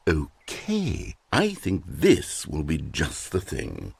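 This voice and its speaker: A man's voice: lowish voice, gravelly, darkish tone, no room sound, exaggerated voice. A synthetic male voice playing a smug, dramatic game narrator, pompous and sardonic. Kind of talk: theatrical narration.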